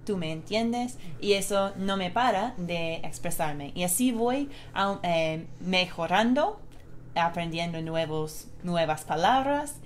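A woman's voice: on the low side, expressive, slow pace, a little hiss or hum. Woman speaking Spanish as a learner. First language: not Spanish. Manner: earnest, learner's foreign accent. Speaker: Spanish teacher and co-host. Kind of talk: live-streamed language lesson chat.

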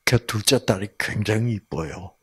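A man's voice: lowish voice, moderate pace, breathy edge. An older man giving a Bible lecture like a sermon. He tells stories with energy, acts out the quoted lines himself and asks his listeners questions. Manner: animated storyteller acting out quotes and asking the audience questions.

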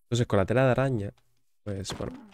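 A man's voice: mid-range voice, fairly quick, a little mellow. A man with a Spain Spanish accent giving chatty, joking commentary while playing a video game and reading its text aloud. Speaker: gaming YouTuber. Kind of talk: gaming commentary.

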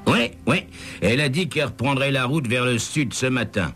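A man voicing a middle-aged motel manager who whines and laments in a high, plaintive voice. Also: lively intonation, moderate pace, fairly bright tone, soft background music, lightly acted. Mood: despairing.

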